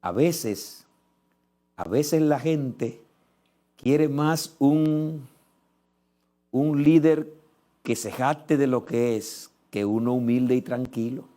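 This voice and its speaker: A male pastor preaching a sermon in church. He swings between low, measured passages and loud, impassioned stretches, and he piles up short repeated phrases. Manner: lists things in rapid repeated phrases.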